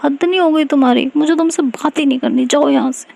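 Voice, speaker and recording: A woman voicing a sulky, pleading young woman in a spoken love story, high and whiny as she insists. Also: fairly quick, mellow, slight background noise, close to an everyday voice. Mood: sulking.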